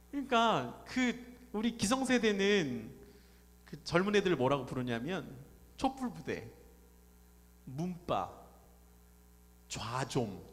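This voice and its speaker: A man preaching a Sunday sermon as pastor, talking conversationally and putting questions to the congregation. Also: on the high side. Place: church sanctuary. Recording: reverberant church hall.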